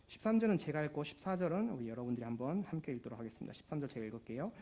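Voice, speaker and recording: Fast-talking emphatic male pastor. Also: a little high, animated, dark tone. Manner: emphatic, repeats key phrases. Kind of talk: sermon. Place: church.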